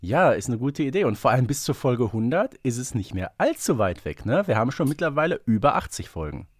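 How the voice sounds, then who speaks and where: Male podcast co-host, medium pitch, casual expert talk, dry close-mic recording. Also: big pitch swings, a little fast, breathy edge, no room sound.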